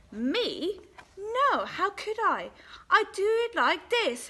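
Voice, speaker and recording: A woman puts on a character voice at an extremely high pitch and delivers it at a very slow pace. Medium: read story. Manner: dismissive.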